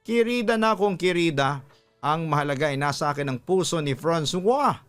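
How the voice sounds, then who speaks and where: A man's voice: on the high side, lively intonation, normal speed, fairly bright tone, clear, resonant tone, soft background music, pitched above the performer's own voice. A man voicing a brazen, defiant mistress in a radio drama with a haughty, insulting manner. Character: brazen, taunting young mistress, defiant woman.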